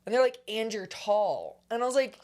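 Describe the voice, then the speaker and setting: A woman with a deep voice for a woman, co-hosting a podcast in a joking, animated way. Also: moderate pace. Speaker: podcast co-host. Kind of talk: casual chat.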